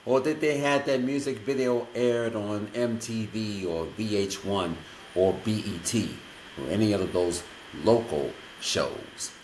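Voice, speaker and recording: A podcast host with a fairly low, darkish voice explains a countdown segment during an interview, unhurried and announcer-like as he reads out a long list of questions. The echoey room recording carries a little hiss or hum.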